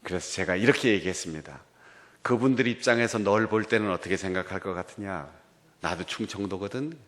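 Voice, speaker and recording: A man's voice: on the low side, a little fast. A middle-aged male pastor with a Gangwon Korean accent, preaching a sermon and telling stories that act out quoted dialogue. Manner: animated storytelling, acting out quoted dialogue.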